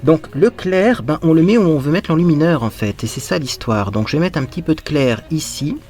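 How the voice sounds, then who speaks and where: A man's voice: fairly high pitch, lively intonation, fairly quick, a little mellow, soft background music. A man hosting a casual makeup tutorial, chatting playfully to viewers while he applies his makeup and dropping in little sound words.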